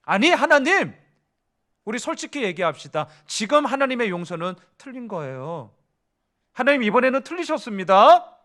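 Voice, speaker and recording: Guy doing a whiny complaining prophet, high and sharp, arguing nonstop. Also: big pitch swings, normal speed, exaggerated voice. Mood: indignant. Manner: whiny, argumentative, petulant. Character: indignant male prophet complaining to God. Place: church.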